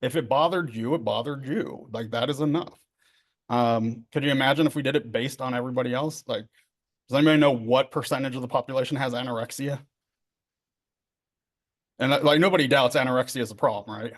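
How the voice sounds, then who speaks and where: A middle-aged man with a relaxed drawl leads a therapy training session. He talks in an easygoing, joking way, checking in with his listeners and filling pauses as he explains ideas. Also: medium pitch. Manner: conversational, joking, many fillers and tag questions. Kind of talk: casual workshop lecture.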